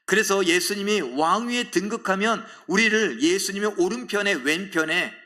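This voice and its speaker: A man's voice: sits high, normal speed, bright, forceful tone. A male pastor preaching a sermon in a dramatic way, often putting questions to the congregation.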